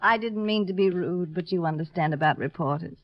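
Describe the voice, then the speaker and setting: A woman's voice: lowish voice, a little fast, a little hiss or hum, close to an everyday voice. An actress playing a cool, coy, guarded woman in an old radio detective serial, teasing and evasive in her delivery. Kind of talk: 1950s American radio detective serial acting. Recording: dry, dull old radio recording.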